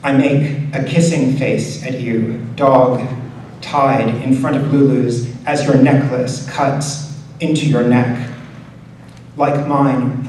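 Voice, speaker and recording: A man reading poetry aloud as a poet, in a measured, deliberate delivery with pauses between short phrases. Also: medium pitch, mellow. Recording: very echoey room, distant mic, faint noise.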